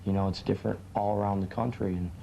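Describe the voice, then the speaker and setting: Gravelly-voiced man on worn tape copy. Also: on the low side, quick pace. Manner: relaxed, loose, many fillers. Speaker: band member. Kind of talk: casual interview. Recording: muffled worn tape with hiss.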